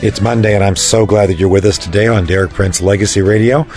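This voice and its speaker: A man hosting a Christian radio program, his voice a bit raspy, chatting casually with some stumbles. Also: fairly low pitch, fairly even intonation, fast, over music. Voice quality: raspy today. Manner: warm conversational chat, some stumbles. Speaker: radio show host.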